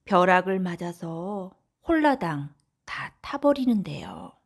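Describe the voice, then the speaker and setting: A woman narrating folk tales for bedtime in a soft, often whispery, gentle voice. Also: fairly low pitch, big pitch swings, slow, gravelly. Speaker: audiobook narrator.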